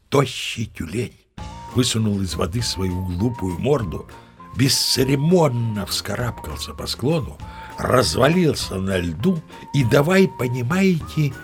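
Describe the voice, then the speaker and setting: For an audio play, an actor voices a pompous sea captain who is easily irked, spinning his yarn in a grandiloquent, expressive, theatrical way. His pitch sits in the medium range.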